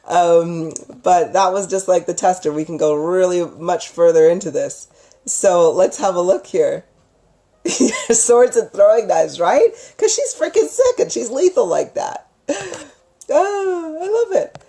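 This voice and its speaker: A woman with a somewhat low-set voice talks casually to her livestream audience. She is a storyteller hosting the session, informal and effusive. She addresses viewers one by one with affectionate pet names. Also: expressive, unhurried, dark tone. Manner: gushing, informal, uses endearments like sweetie. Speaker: livestream host, storyteller and psychic healer.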